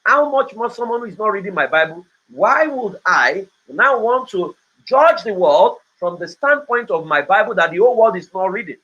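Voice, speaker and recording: A man's voice: sits high, animated, normal speed, hardly any pauses, pushed and bright. A man, host of a podcast, giving a motivational talk in a preachy way, often adding "right?". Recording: dull lo-fi recording.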